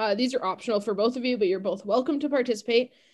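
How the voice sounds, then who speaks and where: A woman with an unremarkable speaking voice, fairly high in pitch, with ordinary pitch variation, against a quiet background. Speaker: podcast host. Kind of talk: casual interview chat.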